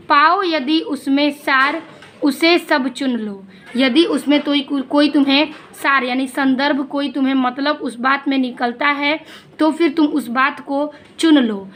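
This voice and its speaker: A woman teacher explaining a poem line by line, reading the verses slowly and then explaining them in plain words. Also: sits high, a bit bright.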